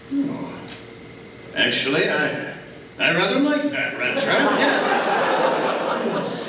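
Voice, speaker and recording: A man's voice: high-pitched, heavily acted. A man voicing a noble, earnest robot warrior with a pompous, formal, grandiose manner in a cartoon style. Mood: self-satisfied. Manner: grandiose, formal, halting deliberation. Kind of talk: live dramatic script reading, cartoon character acting. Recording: very echoey hall, distant mic, background noise.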